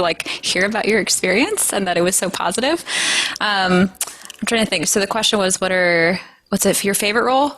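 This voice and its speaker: A young woman with a deeper-pitched voice, telling stories in a chatty, animated way during a casual interview. Her pitch sits in a middling range for a woman. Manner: chatty, animated storytelling with laughs. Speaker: anime voice actress, guest.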